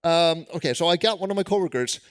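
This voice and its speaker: A man's voice: a little high, lively intonation, quick pace. A man with an Icelandic accent, a programmer presenting tips on stage at a conference in a casual, self-deprecating way with many fillers. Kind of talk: live conference tech talk.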